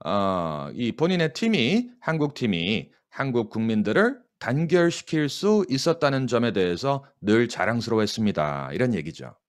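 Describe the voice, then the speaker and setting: A Korean man teaching English by reading news sentences aloud, dwelling slowly on each phrase before explaining it briskly. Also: mid-range voice, big pitch swings. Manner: coaching, asks listeners to repeat after him.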